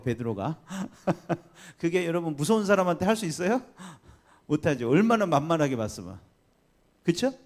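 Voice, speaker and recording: A man preaching a Sunday sermon as pastor, chatty and lively, asking the congregation questions and laughing along. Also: medium pitch, creaky. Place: church sanctuary.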